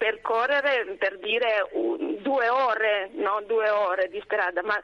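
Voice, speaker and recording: With lively intonation, a woman of fairly high pitch speaks at a very slow pace. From DR Congo, South Kivu. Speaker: nun, superior general of a congregation. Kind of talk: radio interview. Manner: halting, with many fillers.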